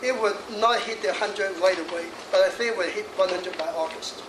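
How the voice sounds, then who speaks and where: A man's voice: sits high, brisk, far from the mic. A man in his sixties, a feng shui master giving a jokey talk to an audience, laughing often and chatting between points. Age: 60s. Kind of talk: lively lecture to an audience. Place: hall in front of an audience. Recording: echoey hall audio from afar with noise.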